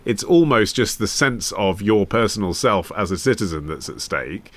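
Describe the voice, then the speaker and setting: A man's voice: on the low side, expressive, moderate pace. A man hosting a conversational news discussion, putting probing, inquisitive questions to the panel. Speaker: host.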